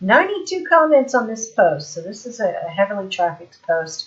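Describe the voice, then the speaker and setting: A woman with a Texas accent speaks at a moderate pace. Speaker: online disinformation researcher, livestream host. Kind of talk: live screen-share walkthrough. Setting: live stream. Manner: casual, conversational with fillers.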